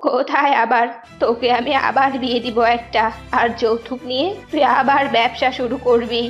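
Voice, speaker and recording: Woman voicing a cruel, bossy high-pitched mother-in-law fox. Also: steady tone, moderate pace, natural voice. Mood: scolding, greedy. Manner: scolding, domineering. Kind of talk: children's cartoon story voice acting. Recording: dull lo-fi audio over music.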